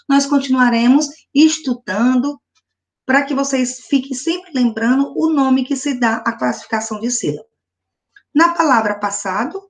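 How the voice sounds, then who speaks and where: A Brazilian woman teacher giving a recorded lesson to young children, patiently breaking words into syllables. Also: a little high. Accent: Brazilian Portuguese. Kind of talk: recorded classroom video lesson.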